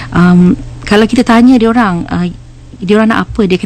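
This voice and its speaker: A woman with a medium-pitched voice talks at a very fast pace with ordinary pitch variation over noticeable background noise. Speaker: homemaker and company representative. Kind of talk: radio interview. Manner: hesitant, many fillers.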